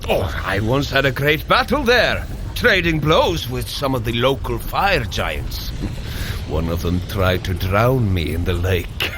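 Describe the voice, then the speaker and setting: Hearty boastful god of war type, slow and swoopy, old-timey grand talk, noisy ambience behind. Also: male voice, mid-range voice, big pitch swings. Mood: enthusiastic boasting. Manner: grandiose, archaic phrasing, jovial. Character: hearty, boastful warrior god, adult man, good-humoured elder brother. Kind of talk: audio drama acting for a running story.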